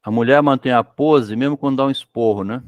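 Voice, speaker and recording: A man's voice: medium pitch, fairly quick, dry recording. A Brazilian man reading a story aloud and explaining it as a literature lecture, breaking in with "né?" and acting out the characters' lines. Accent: Brazilian Portuguese. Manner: reads passages and breaks off to explain, frequent "né?".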